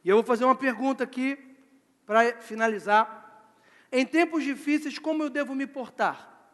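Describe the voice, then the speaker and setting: A male preacher with a notably high voice delivers a live sermon. He is lively and theatrical and acts out scenes as he goes. The sound echoes with a long reverb through a church hall. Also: moderate pace.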